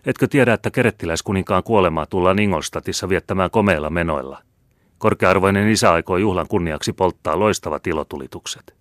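A man plays a bearded soldier who scoffs at his comrade's ignorance, slightly raised and louder than the narration. Still deep and dry. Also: no room sound, close to an everyday voice. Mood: scornful. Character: scornful bearded enemy soldier.

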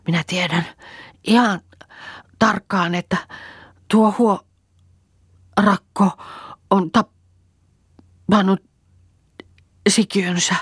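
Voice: medium pitch, expressive, hardly any pauses, no room sound, clean studio sound, voice pushed up, lightly acted. A reader doing a groaning, vindictive old peasant woman. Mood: vengeful. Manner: moaning cries broken up by gasps. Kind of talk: audiobook character voice.

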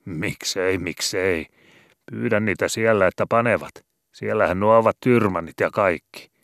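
Deep-voiced guy doing a loud, swearing old sea pilot, bossy and boastful, storybook. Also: no room sound, clean studio sound. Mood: gruff scolding. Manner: loud scolding, swearing, rough rural speech.

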